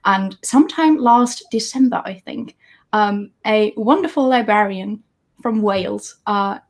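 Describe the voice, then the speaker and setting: A woman from Germany with a German accent, chatting casually and telling anecdotes in an animated, giggly way on a video call. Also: medium pitch, a little slow. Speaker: book chat participant.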